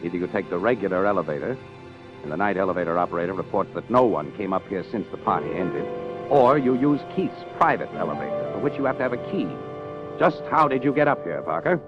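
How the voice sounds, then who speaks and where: A man's voice: sits low, animated, fast talker. A man playing a methodical, skeptical police inspector in a 1950s-style radio mystery, with pointed, authoritative questioning. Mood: probing. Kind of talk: 1950s detective radio play acting. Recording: dull lo-fi radio drama with music.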